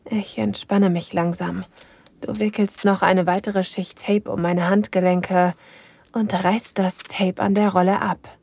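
A woman voicing a young, eager lover in an intimate audio drama, narrating in breathy whispers. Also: medium pitch, flat delivery, a little slow, a little mellow. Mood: aroused.

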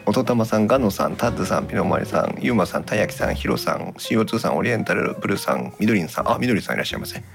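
Low, gravelly, animated man hosting. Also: rapid-fire, few pauses, faint music behind. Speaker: podcast host. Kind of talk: casual podcast chat.

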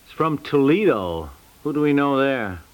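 A man's voice: mid-range voice, sing-song, normal speed, lightly acted. An American man playing a fussy, exasperated suburban husband in a 1950s radio comedy, sputtering and repeating himself. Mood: defensive.

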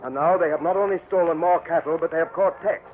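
A man's voice: on the high side, fast, faint music behind. Male narrator on tinny old radio. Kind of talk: scripted dramatic radio narration. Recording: tinny, hissy vintage radio recording.

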